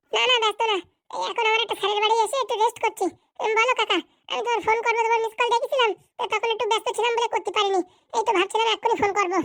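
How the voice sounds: A woman does a cartoonish character voice at an extremely high pitch, talking very fast with fairly even intonation.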